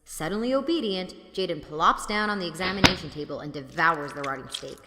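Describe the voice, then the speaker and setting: A woman's voice: lowish voice, a little fast, very noisy, close to an everyday voice. A woman playing a blunt, exasperated female student who narrates and acts in an audio drama, with a dry sardonic manner. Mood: narrating. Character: exasperated, sarcastic female student, narrator of her own story.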